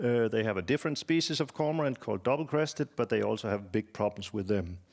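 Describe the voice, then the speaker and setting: A man speaks with a Danish accent at a medium pitch, with ordinary pitch variation. The recording is very clean, with a silent background. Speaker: scientist. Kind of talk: conference presentation. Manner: fast.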